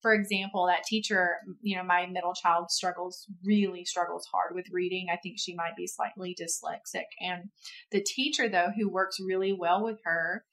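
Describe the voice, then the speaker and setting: A woman's voice: on the low side, fairly even intonation, moderate pace, fairly bright tone, low-quality recording. A woman in her thirties co-hosting a casual podcast chat, supportive and reflective, often finishing her partner's thoughts. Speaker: podcast co-host.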